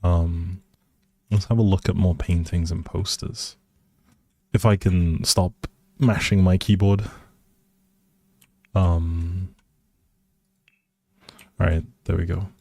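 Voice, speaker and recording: Guy streaming a game, chatting casual n teasing, deepish voice, really slow pace, dry sound. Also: a little mellow, no room sound. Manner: playful, teasing banter with viewers. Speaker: game livestreamer. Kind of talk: casual livestream chat while playing a game.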